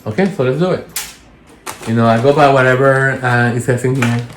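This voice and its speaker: A man's voice: medium pitch, steady tone, brisk, a little hiss or hum. Spanish-accented man, chatty candle tutorial. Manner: rambling, self-correcting, chatty. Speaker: candle maker. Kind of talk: casual hands-on tutorial. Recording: roomy echo, faint music.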